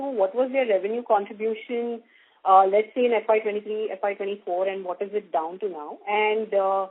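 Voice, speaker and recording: A woman speaks over a narrow, tinny telephone connection in a mid-range voice. She is an analyst on a conference call, working methodically through probing questions. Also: medium pitch. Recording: narrow, tinny phone-line audio.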